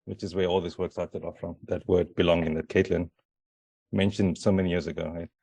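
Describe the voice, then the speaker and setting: Middle-aged presenter from Zimbabwe, flat and monotone, dry close sound, hesitant delivery. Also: male voice, low voice, brisk, gravelly, slightly rough, no echo. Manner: hesitant, many fillers and restarts. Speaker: conference presenter. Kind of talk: conference talk.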